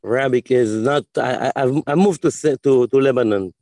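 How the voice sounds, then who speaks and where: Halting French-speaking man on a call. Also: mid-range voice, warm tone, no room sound, studio quality. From Senegal. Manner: halting, many restarts. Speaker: panelist. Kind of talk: online panel discussion. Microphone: video call.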